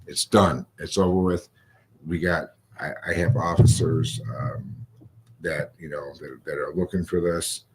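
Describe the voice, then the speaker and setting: A man speaking as a police chief in a radio interview, halting and repetitive, with emphatic statements. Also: rumbling low, steady tone, heavy background noise.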